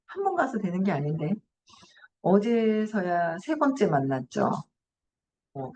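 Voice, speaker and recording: A woman's voice: on the low side, a little mellow, slight background noise. A middle-aged woman hosting a morning book talk, reading passages aloud and reflecting on them chattily. She often asks herself questions and laughs as she goes. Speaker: host.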